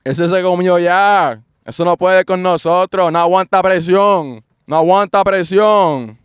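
A man's voice: high-pitched, measured pace, clean tone, no room sound, studio quality. A man with a Puerto Rican Spanish accent hosting a podcast. He talks in a defiant, repetitive solo monologue and swears often. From Puerto Rico. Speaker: podcast host.

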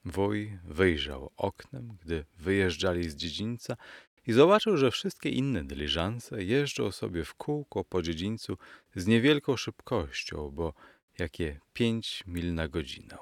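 Deep gravelly male storyteller. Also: animated, a little slow, dry recording. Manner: storyteller addressing listeners as gentlemen. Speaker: audiobook narrator. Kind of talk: scripted storytelling narration.

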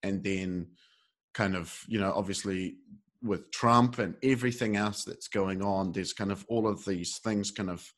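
Male interviewer, slightly low register, casual and reflective, hedged and meandering delivery. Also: fairly even intonation, a little slow, fairly bright tone. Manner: tentative, hedging, meandering sentences.

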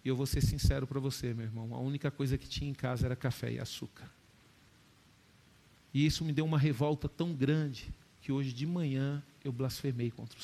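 Male preacher, sermon testimony, slightly high voice, storytelling, emphatic rising peaks. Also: darkish tone. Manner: storytelling, addresses the listeners as "dear ones" again and again.

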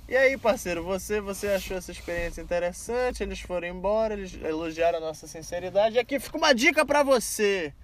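A man's voice: sits high, lively intonation, fast, few pauses, a bit bright. A man with a Brazilian Portuguese accent telling stories casually, full of slang and swearing, acting out the dialogue. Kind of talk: casual anecdote telling among friends. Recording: some background noise.

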